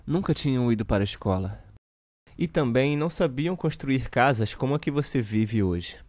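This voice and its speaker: A man with a Brazilian accent playing a children's TV uncle who reads a storybook slowly and deliberately to children. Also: medium pitch, lively intonation, darkish tone, no room sound, natural voice. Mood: storytelling. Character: children's TV show host uncle reading a satirical storybook. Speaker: storyteller host of a kids' show.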